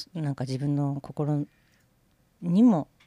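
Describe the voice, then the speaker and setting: On a very clean recording with a silent background and a dry, close sound with no echo, a woman speaks in a very deep, low, dark, mellow voice with ordinary pitch variation. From Japan, Toyama Prefecture. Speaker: podcast host. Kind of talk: casual chat.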